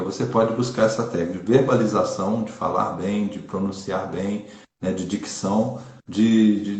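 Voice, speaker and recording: A Brazilian Catholic preacher speaking in a casual online chat, earnest and emphatic, repeating phrases for stress. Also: male voice, fairly low pitch, darkish tone, roomy sound.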